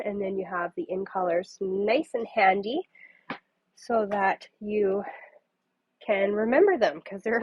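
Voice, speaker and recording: At her home craft table, a woman demonstrating papercrafting on a livestream chats casually and greets viewers by name. She has a cold, so her mid-range, husky voice sounds nasal. The recording is dry and dull.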